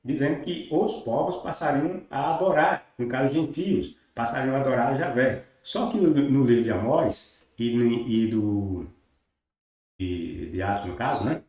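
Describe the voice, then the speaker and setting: A man speaks in a dark, mellow tone, with strong echo all around him. He reads scripture passages slowly and deliberately, then breaks into loose commentary full of checking questions. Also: medium pitch. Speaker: religious text critic. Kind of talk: reading aloud and commenting on scripture. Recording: very echoey room.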